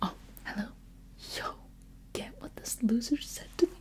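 A woman in her twenties whispering a chatty, playful ASMR roleplay up close to the microphone. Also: normal speed. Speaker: ASMR video creator.

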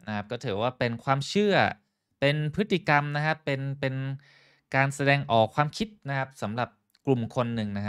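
Man, English teacher on a live stream, unhurried, light background music. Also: medium pitch. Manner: switches between Thai and English, slow and clear with many fillers. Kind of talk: live online English lesson.

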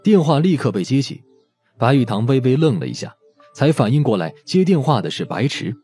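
A man's voice: medium pitch, sing-song, a little fast, mellow, soft background music. A man narrating a scripted audiobook story expressively.

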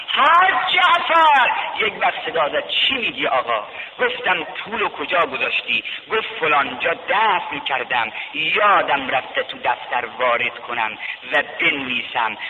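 A middle-aged man preaching a story-filled sermon in a mosque over a loudspeaker, dramatic, with loud drawn-out cries. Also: mid-range voice, a little hiss or hum. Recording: echoey hall, dull archive recording.

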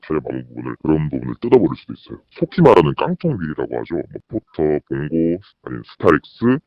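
An anonymous former shop manager, a man, giving phone testimony with his voice disguised and pitch-shifted very deep, explaining matter-of-factly step by step. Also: no room sound. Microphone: phone line. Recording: dull lo-fi phone audio.

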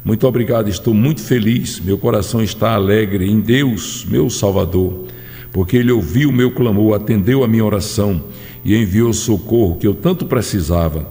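Pastor guy with a gravelly voice reading testimonies, fervent and drawn out, long reverb, faint music behind. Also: lowish voice, warm tone. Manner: fervent preaching, drawn-out phrases. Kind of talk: reading testimonies on a church broadcast.

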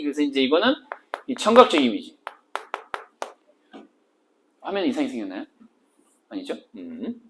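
A woman teacher lectures on a literature text in a lively, sing-song voice that swings widely in pitch. She teases and jokes with her students and slips between polite and casual speech. A faint hiss with small clicks sits under the recording. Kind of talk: exam-prep literature lecture.

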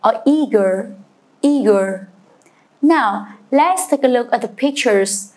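Slow, careful Vietnamese-accented woman teacher. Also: fairly high pitch, a little mellow. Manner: repeats each word twice, slow and careful, then explains. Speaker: English teacher. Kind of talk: bilingual vocabulary lesson.

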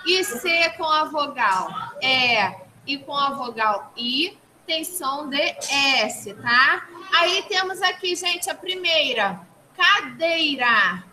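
A woman teaching young children in an online phonics lesson, slow and patient, repeating each answer back. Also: sits high, animated, pushed and bright, low-quality recording. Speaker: primary school teacher. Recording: clear background noise.

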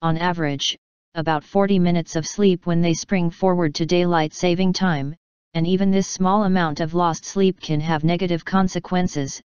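A woman reads a scripted passage aloud in an exceptionally smooth, crisp voice at a medium pitch. The recording is dry and slightly dull. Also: a little mellow, no room sound. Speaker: test practice narrator. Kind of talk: scripted read-aloud narration.

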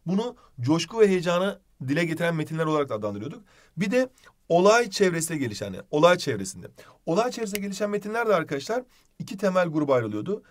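A man with a fairly high voice teaches an online literature lesson. He explains patiently, speaks to his students as friends and writes on the board as he goes. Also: very animated, fast.

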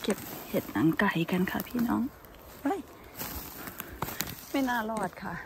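A woman narrating a casual outdoor vlog while foraging in a forest, exclaiming excitedly over each find. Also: mid-range voice, unhurried, vocal fry, background noise. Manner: excitable, squeals and exclaims when finding mushrooms. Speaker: vlogger.

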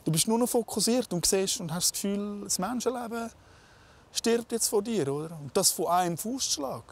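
A man's voice: sits high, expressive, moderate pace, slight background noise. A young man with a Swiss German accent, a witness speaking hesitantly in a documentary interview. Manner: hesitant, with fillers and restarts. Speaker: witness, friend of the victim.

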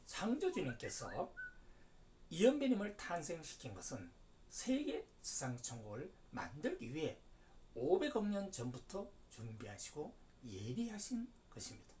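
Recorded from a distant mic, a man in his seventies delivers an emphatic religious lecture, preaching with sudden rises and falls. His voice is fairly high-pitched and a little mellow.

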